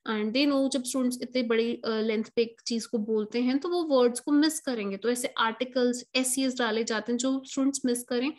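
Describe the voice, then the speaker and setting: A high-pitched woman gives an online lesson. She talks straight to her viewers and walks them through the task. She slows right down on the words she wants to stress. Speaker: exam prep tutor. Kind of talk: online lesson, Hindi mixed with English.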